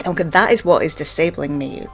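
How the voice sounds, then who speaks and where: Scottish female vlogger, low voice, stammers, halting informal delivery padded with fillers, music underneath. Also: creaky. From Scotland. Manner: halting, with frequent repeated filler words. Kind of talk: informal explainer to camera.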